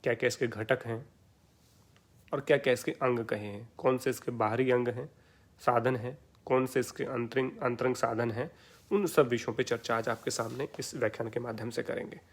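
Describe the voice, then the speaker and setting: A man with an Indian accent teaches a yoga lesson in a calm, explanatory way. His voice sits at an ordinary middle pitch. He repeats key terms and answers his own questions as he goes. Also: normal speed. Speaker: yoga lecturer. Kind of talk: explanatory lecture.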